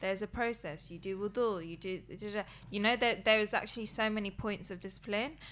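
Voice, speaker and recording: On a very clean recording with a silent background, a woman talks in a normal speaking voice at medium pitch, her intonation fairly even while her loudness swings widely. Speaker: company co-founder. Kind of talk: casual reflective conversation.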